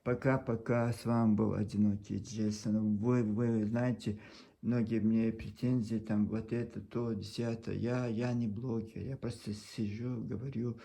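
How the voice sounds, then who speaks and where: Gravelly, dark-voiced man with a Chechen accent. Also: fairly low pitch, little pitch movement. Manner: earnest, pleading, halting with frequent restarts. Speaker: video blogger. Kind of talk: casual monologue to camera. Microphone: camera.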